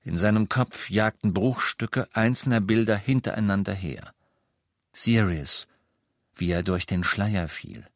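This scripted audiobook narration comes from a man whose pitch sits fairly low. He tells the story evenly and deliberately, recorded at studio quality with no audible room.

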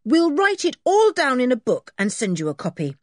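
A woman voicing an eager schoolboy who talks in a bright, lively way. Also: high voice, moderate pace, no echo, studio quality, voice pushed up. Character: eager schoolboy, cheerful and chatty.

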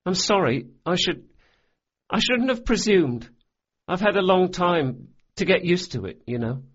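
A man voicing a young orphan boy who talks quickly and earnestly, stumbling over his words. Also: high-pitched, lively intonation, a bit bright, breathy edge, lo-fi sound, pitched above the performer's own voice, exaggerated voice.

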